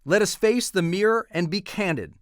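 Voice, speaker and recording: A man's voice: sits high, expressive, moderate pace, smooth, dry recording, studio quality. A man giving an emphatic, declamatory reading of a scripted inspirational manifesto.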